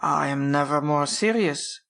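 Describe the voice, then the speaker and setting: A woman voicing a formal, courtly German baron in an audiobook, speaking with slow deliberation. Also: deep voice, gravelly, a bit bright, full character voice. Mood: solemn, courtly. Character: Trent posing as a formal, solemn German baron.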